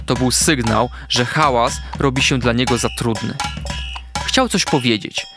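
A man narrating a children's storybook in an animated, expressive way. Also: medium pitch, a little slow. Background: background music.

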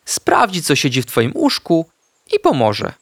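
A gentle mother dog reassures her pup in a soft, soothing voice, as a man reading a children's story plays her. The tone rises and falls a lot. The recording is close and dry. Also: fairly high pitch, huge pitch swings, measured pace, dry recording, pitched above the performer's own voice, exaggerated voice. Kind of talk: storybook character voice.

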